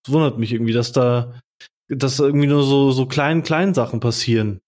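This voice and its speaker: A man's voice: mid-range voice, darkish tone. Chatty joking male podcast host. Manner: chatty, joking, quick questions. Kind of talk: casual interview.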